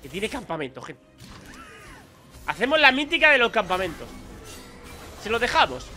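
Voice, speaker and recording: A high-pitched, very bright and sharp male voice, talking through a match in quick, excitable bursts and taunting the enemies. Faint music plays underneath. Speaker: gaming YouTuber. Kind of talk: live gameplay commentary.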